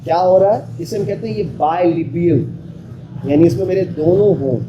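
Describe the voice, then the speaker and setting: A man's voice: sits high, moderate pace, lo-fi sound. A man teaching pronunciation in an interactive lesson, emphatically sounding out letters and quizzing his listener with short questions. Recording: echoey room with steady background noise.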